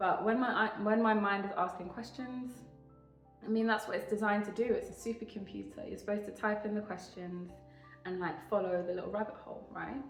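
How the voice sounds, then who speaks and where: There is music in the background as a woman speaks at a medium pitch. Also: fairly even intonation. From Barbados / England (mixed Bajan and English heritage). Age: 30s. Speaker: spiritual healer and wellness content creator. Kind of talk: casual talk to camera, reflective monologue. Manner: thoughtful, musing, conversational.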